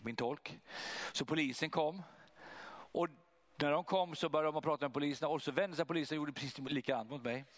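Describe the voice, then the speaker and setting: A man preaching, telling a personal testimony in an animated way and acting out what others said. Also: on the high side. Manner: animated, acts out voices of others. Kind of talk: testimony storytelling.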